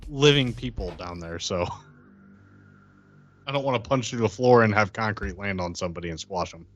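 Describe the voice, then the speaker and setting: A man's voice: fairly low pitch, moderate pace, fairly bright tone, soft background music. A man playing a tabletop role-playing game, talking casually with blunt, joking remarks. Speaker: podcast player.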